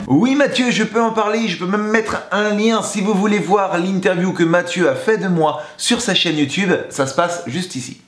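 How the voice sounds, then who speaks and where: A man's voice: sits high, reverberant. A man, a singer and YouTuber, answers fan questions in a playful, chatty vlog style. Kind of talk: casual vlog Q&A.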